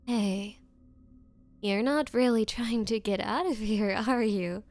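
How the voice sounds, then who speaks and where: Woman acting a high-voiced, clingy yandere girlfriend. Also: takes it slowly, darkish tone. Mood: nervous, clingy. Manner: nervous giggling, stammering, pleading. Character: obsessive, clingy yandere woman on a first date. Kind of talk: ASMR audio roleplay.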